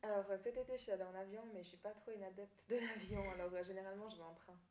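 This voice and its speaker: A woman's voice: medium pitch, steady tone, rapid-fire, background noise. A young woman whose first language is Italian, answering interview questions with frequent hesitations and restarts. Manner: hesitant, many fillers and restarts. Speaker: student teacher. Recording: dull echoey room recording.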